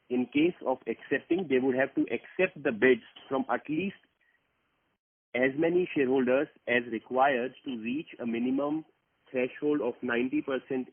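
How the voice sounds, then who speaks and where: Exec guy explaining stuff step by step, raspy-ish, tinny phone sound. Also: medium pitch. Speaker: company executive. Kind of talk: explanatory earnings call answer. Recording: muffled narrowband phone conference line.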